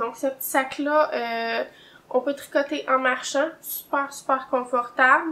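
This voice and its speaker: A woman speaks with a Quebec accent at a very slow pace. Her pitch is high and her intonation fairly even. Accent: Québécois. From Quebec, Mauricie. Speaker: knitting designer and podcaster. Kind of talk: casual knitting podcast chat. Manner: hesitant with many fillers.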